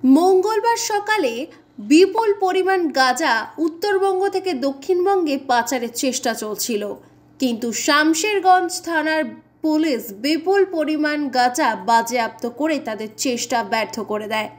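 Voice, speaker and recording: High-voiced woman reading the news. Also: normal speed. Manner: formal, steady bulletin delivery. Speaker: news anchor.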